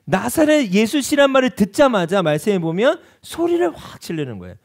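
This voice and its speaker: A man's voice: high voice, huge pitch swings, fairly quick. A man preaching a sermon as pastor at a church evening prayer meeting, asking the congregation repeated rhetorical questions.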